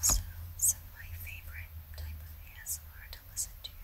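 The woman talks at a fairly slow pace. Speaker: ASMR creator. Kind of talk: ASMR whisper video talking to camera. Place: home room.

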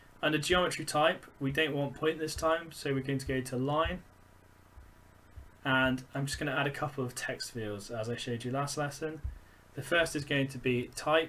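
A man's voice at a moderate pace, with fairly even intonation. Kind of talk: tutorial. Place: home room. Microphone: webcam.

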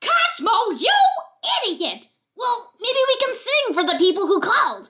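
A woman performs a cartoonish character voice at an extremely high pitch. Her pace is fairly slow. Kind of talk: cartoon character impressions.

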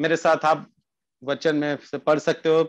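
A man speaks against a quiet background. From India. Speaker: pastor. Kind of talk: sermon. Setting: online church service. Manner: exhorting, emphatic, direct appeals to listeners. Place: home room. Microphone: video call.

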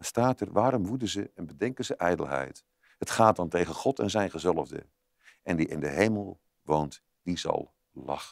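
A man with a very deep, low pitch and vocal fry talks at a moderate pace with lively intonation. The background is quiet and the sound is dry with no echo. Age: old. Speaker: pastor; pastor guest. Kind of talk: interview. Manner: halting. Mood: earnest, engaged. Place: studio. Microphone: lapel.

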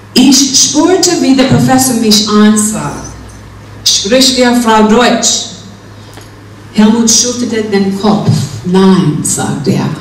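A woman with a non-native accent speaks at a very slow pace and a fairly high pitch, leaving long, frequent pauses. Audible room echo and light background noise are present. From English-speaking country, not Germany. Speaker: author. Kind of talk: book presentation speech; interview. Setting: stage with audience. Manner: halting. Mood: earnest, emotional story. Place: hall.

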